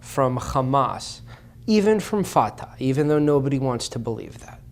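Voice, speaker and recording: A man speaking as an interview guest, earnest and impassioned, repeating phrases for emphasis. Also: medium pitch.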